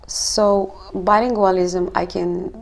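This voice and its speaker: A woman from Kazakhstan, speaking English as an in a halting, explanatory way in a casual discussion. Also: mid-range voice, level tone, vocal fry. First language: not English. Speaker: language coach and linguist.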